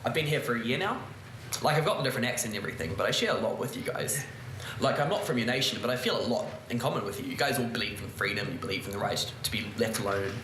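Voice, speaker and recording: A man's voice: mid-range voice, expressive, quick pace, a bit bright, a little hiss or hum. A man with a New Zealand accent opening a debate speech in a friendly, conversational way at a conference lectern. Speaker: debate speaker. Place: conference room. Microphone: lectern microphone. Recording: roomy conference hall echo.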